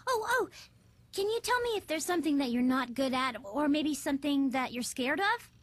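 A woman's voice: high-pitched, expressive, normal speed, no echo. A woman voicing a curious, innocent young child in an English anime dub. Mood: eagerly curious.

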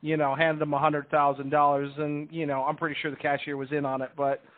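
A man with a somewhat high-pitched voice talks through a narrow, phone-like connection. He is a chatty interview guest who explains casually, repeating words and restarting as he goes. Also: flat delivery, fairly quick. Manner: talkative, explanatory, with repeated words and false starts. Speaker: stage hypnotist, interview guest. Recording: tinny phone-like line.

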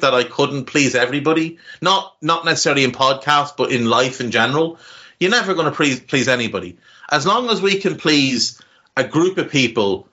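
A man's voice: medium pitch, sharp tone. A man co-hosting a casual podcast chat, talking frankly and earnestly, swearing now and then and restarting his phrases. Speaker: podcast co-host. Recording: dull lo-fi audio.

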